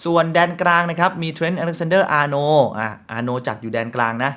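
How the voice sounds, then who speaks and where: A man's voice: on the high side, sharp tone. A man hosting a casual football news show, chatty and reading sponsor plugs between the news. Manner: chatty, reads sponsor ads quickly, frequent polite fillers.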